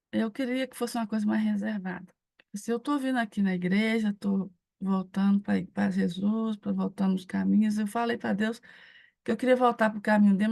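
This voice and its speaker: Gravelly Brazilian woman preaching a testimony. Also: on the high side. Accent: Brazilian Portuguese. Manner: animated storytelling, acting out dialogue. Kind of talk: testimony sermon.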